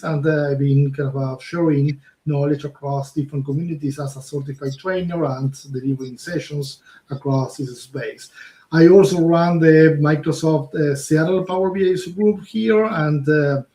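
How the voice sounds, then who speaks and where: Uruguayan man, webinar co-host, raised pitch, roomy echo, lots of uh's. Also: a little mellow. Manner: talks with many fillers and restarts. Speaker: co-presenter. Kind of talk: tech webinar talk. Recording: echoey room sound.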